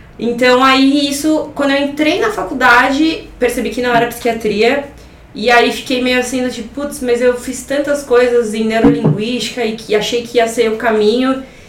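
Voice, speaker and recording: Someone talks at a moderate pace with ordinary pitch variation. Noticeable background noise and audible room echo fill the recording. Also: woman, high pitch for a woman. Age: 30s. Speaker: sports medicine resident and coach. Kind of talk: casual interview.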